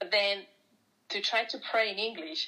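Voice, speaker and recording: Her tone is bright and sharp as a woman speaks with a Spanish accent. Her pitch is fairly high, with ordinary pitch variation. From Ecuador. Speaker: church home group leader. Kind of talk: podcast interview. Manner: halting.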